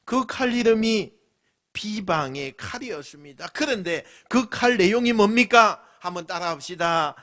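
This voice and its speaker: A man with a Busan accent preaching a sermon as pastor, dramatic, swinging from loud lines to whispers and acting out mocking voices. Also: high voice, animated, measured pace. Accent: Busan Gyeongsang dialect. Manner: acts out mocking voices of scoffers.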